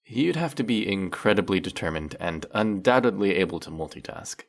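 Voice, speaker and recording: A man acts out a male faerie trickster with a low voice that swoops widely as he teases and scolds. He is dry, sarcastic and flirtatious, with a creaky edge, as in an intimate fantasy roleplay audio. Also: lively intonation, brisk. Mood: sarcastic, mocking. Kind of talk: scripted roleplay audio monologue addressed to the listener.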